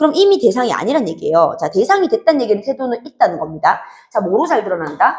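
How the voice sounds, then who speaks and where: Talking very fast, a woman with a fairly high pitch and vocal fry swings her pitch very widely. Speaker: Korean literature teacher. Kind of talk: lecture. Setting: recorded class video with assistant present.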